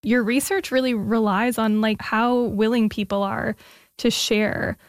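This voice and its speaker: A woman's voice: on the high side, steady tone, a little slow, dry recording, clean studio sound. A woman host interviewing a guest in a friendly, conversational way. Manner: friendly, conversational with some fillers. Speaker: radio host.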